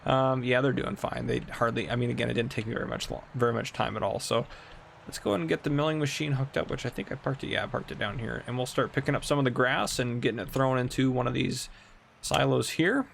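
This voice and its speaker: A young man with a gravelly, creaky voice rambles through relaxed gameplay commentary, chuckling now and then. His voice sits at an ordinary pitch, and a faint hiss of background noise runs under it. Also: fast talker. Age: 20s. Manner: chatty, rambling, laughs often. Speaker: gaming channel host. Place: home room.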